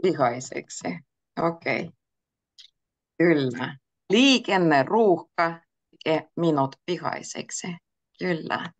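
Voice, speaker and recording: A woman's voice: low voice, animated, long pauses, no room sound. A woman teaching a beginner Finnish class over a video call, patiently switching between Finnish and English and laughing often. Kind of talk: online language lesson.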